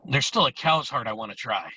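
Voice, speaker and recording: A man playing a laid-back, slangy teenage slacker best friend in an amateur table read, with a deadpan way of talking. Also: mid-range voice, husky, heavily acted. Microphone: virtual table read over video call. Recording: dull lo-fi video call audio.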